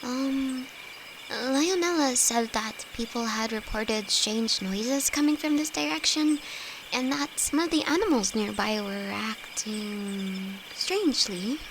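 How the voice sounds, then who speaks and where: Woman acting as a timid, high-voiced young apprentice alchemist. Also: takes it slowly, background noise. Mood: scared. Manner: nervous stammering, hesitant, sighing. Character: timid young female apprentice alchemist, easily frightened, sweet best friend. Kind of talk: intimate scripted audio roleplay. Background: crickets and night forest sounds.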